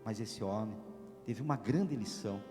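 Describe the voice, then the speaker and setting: Priest preaching, dramatic storytelling, loud then hushed, echoey church, soft guitar behind. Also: male voice, fairly low pitch, normal speed. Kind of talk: sermon with storytelling.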